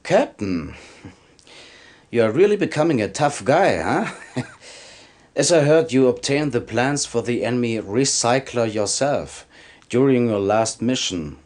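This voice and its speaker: A man's voice: medium pitch, darkish tone, lightly acted. An actor playing a cocky, greedy black-market arms dealer in a video game cutscene, delivering a smug salesman's patter.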